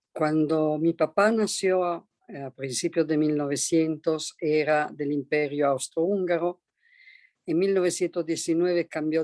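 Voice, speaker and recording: In an Italian accent, a woman with a very deep, low pitch and a dark, mellow tone speaks at a fairly slow pace with fairly even intonation, the sound dry and close with no echo. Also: very clean recording, silent background. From Italy (Fiume/Rijeka). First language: Italian (speaking Spanish). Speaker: Holocaust survivor. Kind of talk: testimony.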